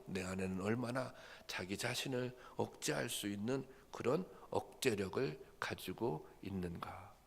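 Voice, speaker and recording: Long hall reverb and slight background noise surround a pastor preaching in a church sanctuary at dawn prayer. His lowish, gravelly voice stays earnest and repetitive as the sermon builds to emphatic peaks.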